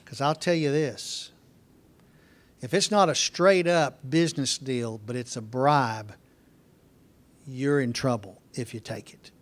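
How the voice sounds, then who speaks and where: Folksy bible teacher guy, slow and deliberate, repeats himself to drive it home. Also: medium pitch. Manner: folksy, earnest, repeats key points. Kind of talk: verse-by-verse Bible lesson.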